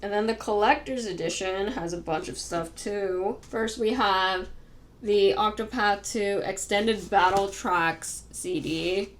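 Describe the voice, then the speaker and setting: A young woman vlogging casually to camera, soft-spoken and chatty, her voice worn and fading from talking all day. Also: medium pitch, slow pace, slight background noise. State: tired, fading voice. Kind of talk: casual vlog talk.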